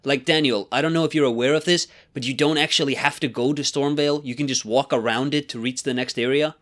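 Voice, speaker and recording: A man co-hosting a podcast, laying out his points in a measured, explanatory way. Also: mid-range voice, steady tone, fairly bright tone. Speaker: podcast co-host. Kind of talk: casual analytical chat.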